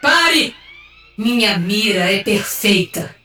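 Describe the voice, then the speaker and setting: A woman's voice: medium pitch, sing-song, slow pace, bright, forceful tone, recorded from a distance, exaggerated voice. In an echoey space with faint music, a woman plays a fierce female android commander. Her delivery is clipped, cold and commanding, in audio drama style, a touch away from the mic.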